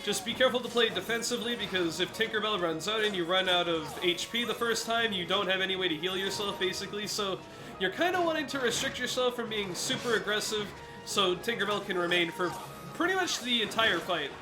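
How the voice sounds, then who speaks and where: A man's voice: high voice, expressive, a little fast, over music. A congested man giving let's play commentary, explaining a game boss fight step by step to viewers. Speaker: gaming commentator.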